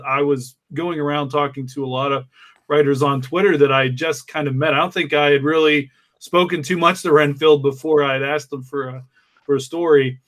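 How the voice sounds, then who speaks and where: A man's voice: fairly high pitch, a bit bright. A man who co-created the podcast, telling a rambling story in casual chat. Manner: rambling storyteller, acts out quotes. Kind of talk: casual chat on a video call.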